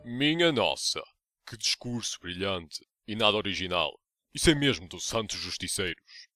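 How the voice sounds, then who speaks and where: A man with a European Portuguese accent voicing a smug, foul-mouthed vampire in a comedic anime parody dub, deadpan and mocking. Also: fairly low pitch, normal speed, faint music behind. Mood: sardonic, mocking. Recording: noisy amateur dub with clicks.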